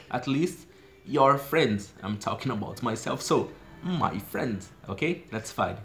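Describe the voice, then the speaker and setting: A man in his thirties from São Paulo with a Brazilian Portuguese accent, talking in a casual video diary. He is chatty and expressive and leans on fillers. He records himself on a phone in a small room. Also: mid-range voice. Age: 30s. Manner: chatty and expressive, gestures a lot, many "you know" fillers. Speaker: language learner vlogger. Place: small indoor room with a plain wall. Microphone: phone camera at arm's length.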